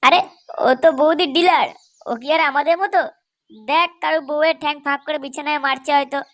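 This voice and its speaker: Woman voicing a high-pitched male cartoon sidekick. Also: fairly even intonation, fast, close to an everyday voice. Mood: gossipy. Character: foolish, gossipy male sidekick in a cartoon gang. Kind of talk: crude comedy cartoon dialogue. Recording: noisy cartoon soundtrack.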